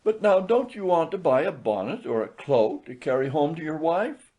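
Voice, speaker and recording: Man acting young shopgirl, high-pitched, demure, polite, slyly teasing, mock-earnest, storybook character. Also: sing-song, normal speed, mellow, poor audio.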